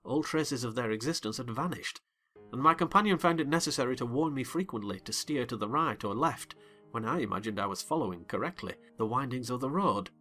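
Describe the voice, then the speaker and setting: A man giving an expressive, measured dramatized reading of a classic novel. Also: medium pitch, faint music behind. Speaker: narrator.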